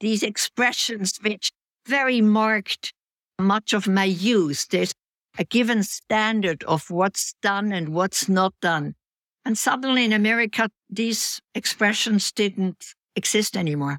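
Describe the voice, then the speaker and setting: Recorded very cleanly against a silent background, with a dry, close sound and no echo, a woman with a Swiss German accent speaks at a fairly slow pace. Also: medium pitch for a woman, ordinary pitch variation. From Switzerland, Emmental and Aargau. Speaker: architect and urban planner. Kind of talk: interview.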